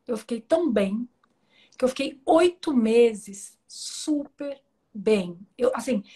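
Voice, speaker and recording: A Brazilian woman in her forties, a guest talking candidly and with humor in a casual interview. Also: a little high. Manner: candid, humorous, lively storytelling. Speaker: guest, author.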